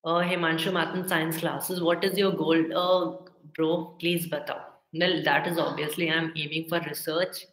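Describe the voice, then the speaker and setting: A teenage boy with a South Asian accent chatting casually and haltingly on a livestream, mixing English and Hindi as he answers viewers. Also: fairly high pitch, little pitch movement, fairly bright tone. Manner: halting, reading questions aloud. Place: indoor room with bare walls. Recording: echoey room, webcam-style livestream sound.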